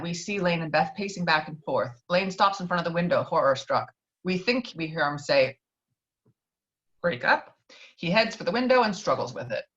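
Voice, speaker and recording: A woman with a fairly low, slightly bright voice reads screenplay stage directions during a virtual table read. It's recorded over an online call, and the audio is dull and lo-fi.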